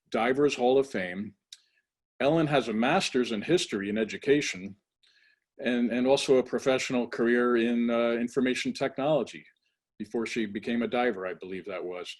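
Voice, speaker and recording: A man hosting an interview who introduces his guest in a halting way, pausing often. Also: medium pitch. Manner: halting, with many pauses. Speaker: host.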